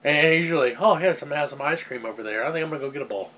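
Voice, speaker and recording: A man's voice: on the high side, rapid-fire, bright, forceful tone. Stuffy-nosed man in a rambling video diary. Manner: candid, rambling, self-critical. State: stuffy nose from a cold. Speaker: vlogger.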